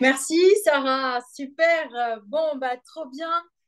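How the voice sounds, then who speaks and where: A woman speaks in a high pitch at a very slow pace. Her pitch variation is ordinary. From southern France, Avignon. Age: 30s. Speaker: network marketing presenter. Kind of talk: sales pitch. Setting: video call. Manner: animated.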